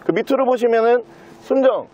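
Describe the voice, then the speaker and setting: A man with a very high-pitched voice presents a used car as its dealer. He delivers a fluent sales patter, moving through the walkaround like a practised car salesman. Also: a little fast, darkish tone, rough recording.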